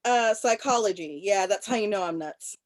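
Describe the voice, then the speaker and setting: A woman acting an awkward young student in a film script table read, halting and nervously polite. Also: medium pitch, no echo, close to an everyday voice. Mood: awkward, friendly.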